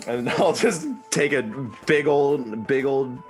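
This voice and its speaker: A man playing a tabletop game, speaking hesitantly and clearing his throat often. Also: mid-range voice, slow pace, faint music behind. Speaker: player. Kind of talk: casual tabletop role-play.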